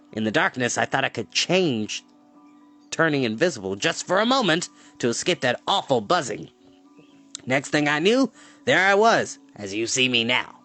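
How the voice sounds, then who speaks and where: Over faint music in the background, a man puts on a gruff, hoarse, croaky character voice, fairly high in pitch, moving at a moderate pace with long, frequent pauses. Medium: read story. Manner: gruff, irritable.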